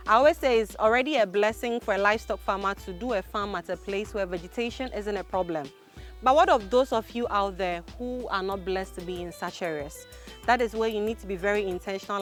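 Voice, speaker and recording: A woman's voice: medium pitch, fairly bright tone. A woman presenting outdoors in a farm paddock, talking directly to viewers in an upbeat way.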